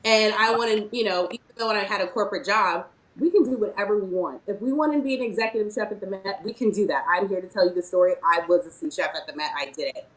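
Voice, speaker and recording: A woman's voice: mid-range voice, fast talker, hardly any pauses, fairly bright tone, roomy sound, poor audio. A woman chef speaking earnestly and emphatically on a panel about her experience at work. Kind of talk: panel discussion, personal story.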